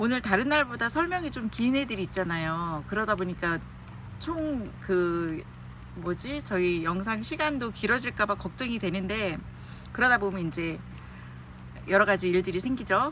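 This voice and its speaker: A woman's pitch swings very widely in a bright, sharp tone. Vocal fry colors her voice. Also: medium pitch for a woman, moderate pace. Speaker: online pot seller. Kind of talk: sales pitch.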